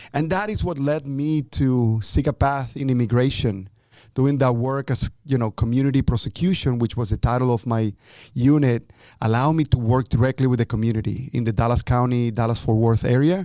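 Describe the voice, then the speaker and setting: A man with a Spanish accent at a fairly quick pace, dark, mellow tone, medium pitch and ordinary pitch variation, in a very clean recording with a silent background. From Colombia, Caribbean coast. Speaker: immigration attorney. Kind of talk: podcast interview.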